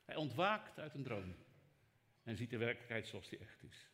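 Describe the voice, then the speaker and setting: A man preaching a sermon as pastor, emphatic and rhetorical, swinging from raised to hushed delivery and speaking straight to his listeners. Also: medium pitch, sing-song, normal speed. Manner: rhetorical, addresses listeners directly.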